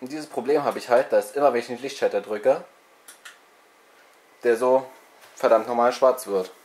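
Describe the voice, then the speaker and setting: With a medium-pitched, darkish voice at a moderate pace, the young man behind a gaming channel gives a loose, rambling info vlog full of fillers and self-mockery. He's slightly congested with a cold, and a handheld video camera's built-in mic picks him up indoors in his console-filled bedroom.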